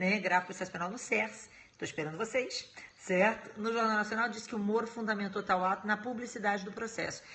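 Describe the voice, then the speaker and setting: A woman's fairly high-pitched voice with fairly even intonation, amid noticeable background noise and audible room echo. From Brazil, Rio de Janeiro. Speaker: law professor. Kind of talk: live-stream Q&A lecture. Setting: live stream from home. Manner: casual, conversational.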